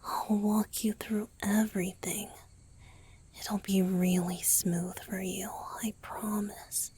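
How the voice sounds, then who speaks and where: A woman voicing a gentle, youthful male vampire boyfriend in a romantic ASMR roleplay, soft and hesitant. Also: mid-range voice, level tone, takes it slowly, slight background noise, lightly acted. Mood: reassuring. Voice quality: soft, breathy, husky. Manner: hesitant, tender, sighing delivery.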